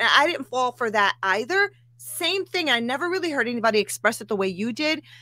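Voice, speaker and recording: Against a quiet background, a woman talks fairly quickly in a high, bright, sharp voice. Her tone is animated and energetic, with lively intonation and a dry sound with no echo. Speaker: podcast host. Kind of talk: casual interview. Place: home room.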